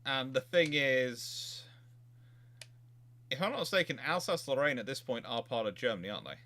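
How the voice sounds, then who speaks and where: A man's bright, forceful voice in a casual discussion of history. He explains haltingly, doubling back and rephrasing as he goes, in the role of a host taking questions. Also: mid-range voice, animated. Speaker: host answering viewer questions.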